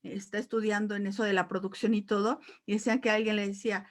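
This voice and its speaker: A woman pastor with a Mexican accent preaching a sermon, animated, acting out quoted voices and repeating words for emphasis. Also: mid-range voice, quick pace.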